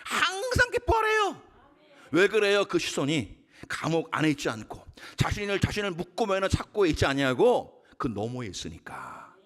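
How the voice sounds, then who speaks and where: A middle-aged male pastor preaching with a lively, swooping delivery, his voice sitting a little high for a man. He throws out rhetorical questions and pokes fun at himself, sometimes climbing into shouts. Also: a little fast. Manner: self-deprecating humor. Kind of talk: dawn service sermon.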